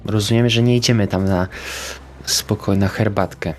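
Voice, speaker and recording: A man's voice: fairly low pitch, fairly even intonation, normal speed, soft background music. A man speaking in character in a tabletop roleplaying game, hesitant and jumpy, slipping into whispers. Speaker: player.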